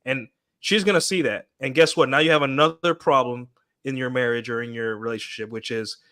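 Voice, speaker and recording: A man's voice: medium pitch, steady tone, a little fast, a bit bright. A man on a casual podcast panel, explaining and arguing his view. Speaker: podcast co-host.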